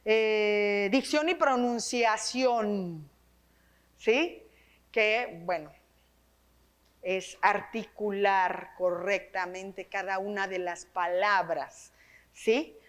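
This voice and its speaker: Speaking very slowly in a mid-range voice, a Mexican-accented woman runs a workshop for teachers about reading aloud. She uses a microphone and a trained, projected delivery, keeping things lively and frequently ending phrases with questions to check in with her audience.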